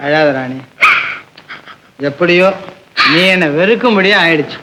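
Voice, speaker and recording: A man's voice: sits high, expressive, a little slow, slight background noise, exaggerated voice, rough recording. A man playing a film hero in 1960s Tamil cinema, speaking in declamatory dialogue. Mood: tender. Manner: declamatory, lamenting then tender. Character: man who faked being a drunkard to win back his love. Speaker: film hero, the woman's lover. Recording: old film soundtrack with loud music.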